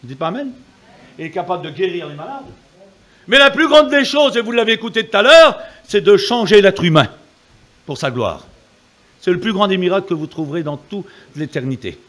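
A man's voice: sits high, lively intonation, fairly quick, a bit bright. A man preaching an evangelical sermon with fervor, calling on the congregation to answer amen. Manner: fervent preaching, calls on the congregation for amens.

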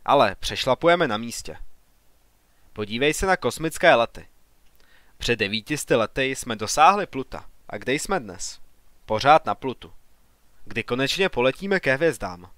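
An ambitious young engineer pleads his case with earnest heat, as a man reading the story puts him on. The voice sits at an ordinary middle pitch. It is recorded dry and close. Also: very animated, fairly bright tone, dry recording. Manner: earnest, argumentative.

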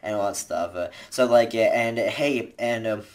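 A man's voice: on the low side, normal speed. A young man in his twenties giving casual advice to a webcam from his bedroom. He rambles, restarts his sentences and says "like" a lot while gesturing with both hands. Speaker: vlogger giving voice acting tips. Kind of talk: casual advice talk to camera. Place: small bedroom indoors, seated in a gaming chair. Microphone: webcam at desk distance.

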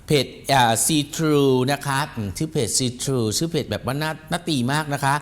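A man hosting a celebrity gossip show, talking in an animated, repetitive way and ending nearly every phrase with a polite particle. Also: mid-range voice, moderate pace. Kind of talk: chatty entertainment gossip talk.

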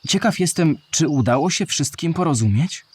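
Curious young boy, slightly husky. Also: a little high, animated, normal speed, a little mellow. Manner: inquisitive, wondering. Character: curious young boy listening to history tales. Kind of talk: children's educational audio play.

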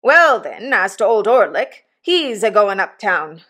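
A woman voicing a gruff, growling, quarrelsome young journeyman blacksmith with rustic working-class speech, in a storybook reading. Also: medium pitch, very animated, unhurried, bright, forceful tone, full character voice. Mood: surly, aggrieved.

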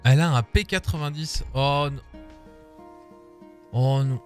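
A man's voice: on the high side, a little slow. Man, French accent, casual stream commentary, jokey, cursing, reading notes, faint music. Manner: joking, swearing, reads patch notes aloud. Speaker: gaming streamer.

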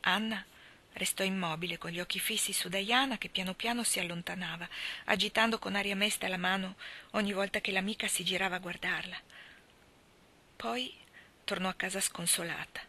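Woman, audiobook narrator, expressive reading, soft moments, bright timbre, mid pitch. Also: fairly quick. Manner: expressive storytelling, dropping to soft tones.

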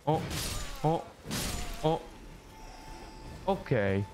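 A young man streaming a game live, reacting loudly and hurling playful insults at enemies. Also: on the high side, extremely slow. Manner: excitable, swears and yells insults at enemies. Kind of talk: live gameplay commentary. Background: game music.

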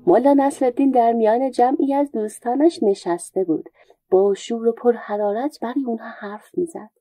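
Husky, mellow woman storyteller. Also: a little high, no echo, soft background music. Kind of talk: storybook narration of folk tales.

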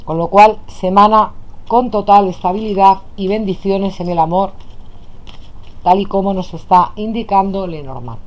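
A woman with a Spain Spanish accent giving a tarot card reading to her viewers, calling them "my loves" warmly as she lays out cards at a table. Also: mid-range voice, poor audio. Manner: affectionate, addresses viewers as "my loves". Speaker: tarot reader. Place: indoors at a table, hands only on camera.

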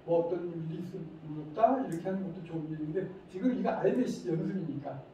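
A middle-aged man giving a lively lecture to parents, acting out how parents scold and leading the room in reciting phrases. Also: a little high, fast talker. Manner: animated, acts out scolding parents, leads group recitation. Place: lecture hall. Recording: echoey hall, distant mic, dull faint noise.

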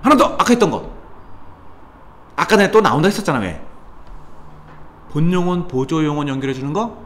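A man's voice: fairly high pitch, a little fast. A man teaching a grammar lesson to students in a casual, chatty way, with asides and exclamations. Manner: lively, chatty teacher addressing students, sudden mutters and exclamations. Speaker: Korean language tutor. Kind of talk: classroom grammar lecture. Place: cram school classroom.

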